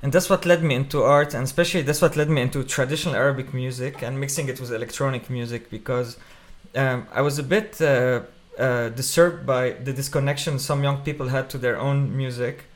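A man from Lebanon, a musician, talks as a guest in a radio interview. His pitch is mid-range for a man. He speaks thoughtfully and often pauses to find the right words. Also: steady tone. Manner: reflective, searching for words.

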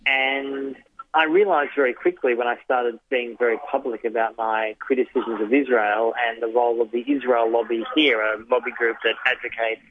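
A man's voice: mid-range voice, steady tone, slight background noise. Man on a tinny phone line. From Australia. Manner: thoughtful, speaks in short phrases with pauses. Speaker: guest, journalist and author. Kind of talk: earnest interview answers.

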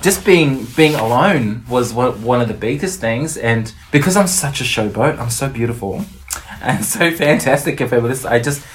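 A woman's voice: very deep voice, animated, moderate pace, a little hiss or hum. A woman speaking as an interview guest, candid and reflective with a playful streak. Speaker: podcast guest, performer and playwright.

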